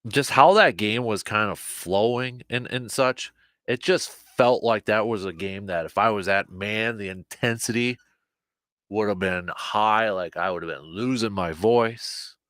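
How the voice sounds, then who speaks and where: A man with a low, slightly hoarse voice hosts a casual sports talk show, animated and a little slow. He often repeats himself as he restarts sentences. The sound is dry and close, with no room sound.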